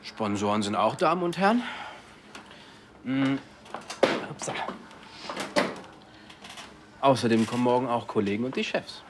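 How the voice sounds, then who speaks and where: A woman's voice: a bass voice, lively intonation, a little slow, pauses often, noisy background. A woman acting in a naturalistic TV drama as a playful, reassuring partner, talking in a coaxing, colloquial way.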